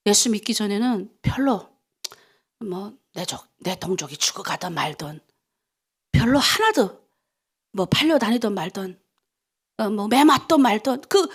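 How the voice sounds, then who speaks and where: A middle-aged woman pastor from North Korea preaching an early-morning prayer sermon, pleading and fervent, dropping to hushed whispers and rising to raised cries. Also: mid-range voice.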